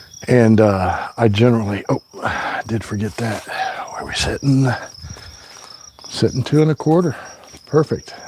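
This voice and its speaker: Over noticeable background noise, a man at a medium pitch speaks at a fairly slow pace with long, frequent pauses. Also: ordinary pitch variation. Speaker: livestream cooking host. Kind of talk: casual live stream tutorial. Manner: halting, many fillers; stuttering at times.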